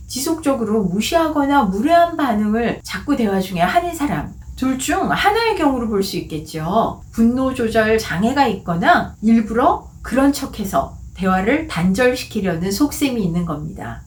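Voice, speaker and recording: A woman speaks in a fairly high voice that rises and falls a great deal. She explains her points calmly and articulates each word clearly. It sounds like a scripted talk from a book channel host. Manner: calm, clearly articulated, acts out short quoted lines. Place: office.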